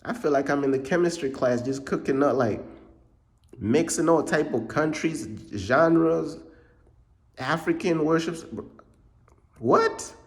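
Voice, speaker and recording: A man's voice: fairly high pitch, slow, pauses often. A young man from Uganda, a Christian vlogger talking in a casual, slang-heavy monologue, repeating himself and saying bro a lot. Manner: slangy, repetitive, peppers speech with bro.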